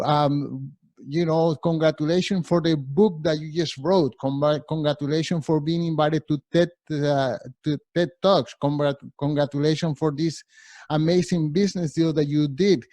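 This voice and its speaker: A middle-aged man with a Spanish accent presenting a workshop over a video call, often restarting words and filling pauses. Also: a little high, a little mellow, no room sound. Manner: halting, many restarts and fillers. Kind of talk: workshop talk.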